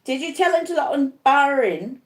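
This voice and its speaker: A dying man voiced by a woman reader raves in terror of a ghost. The pitch is raised and the pleas come in panicked cries, as in a dramatic audiobook, recorded in an echoing room. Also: expressive, normal speed. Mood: anxious, weakening. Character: terrified, raving dying man, haunted by a ghost. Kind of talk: audiobook character acting.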